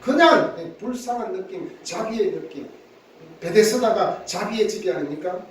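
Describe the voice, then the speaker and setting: A man's voice: sits high, expressive, measured pace, slight background noise. A man, a pastor, preaching an earnest sermon, often repeating words and acting out quotes. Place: church sanctuary. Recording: echoey church hall, mic at a distance.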